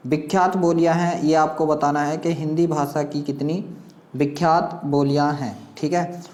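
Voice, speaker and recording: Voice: medium pitch, steady tone, normal speed, darkish tone. Echoey room, exam coaching teacher, reading questions and options aloud, repetitive direct address to learners.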